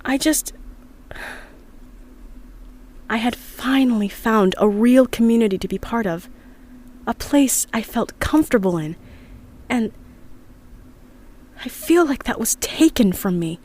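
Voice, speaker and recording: A young woman with a fairly high voice records an earnest personal log in a sci-fi audio drama. She is upset and confiding, with a hesitant, emotional delivery that suits life in an underground hideout. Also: lively intonation, a little slow, a little mellow. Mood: hurt, wistful. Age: young adult. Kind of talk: audio drama monologue, confiding diary entry.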